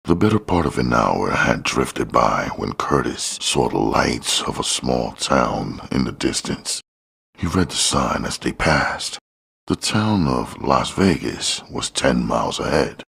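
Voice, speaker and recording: Male narrator for gritty crime audiobook: creaky, rumbling bass, animated intonation. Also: slow. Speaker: audiobook reader. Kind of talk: scripted narration of a crime novel.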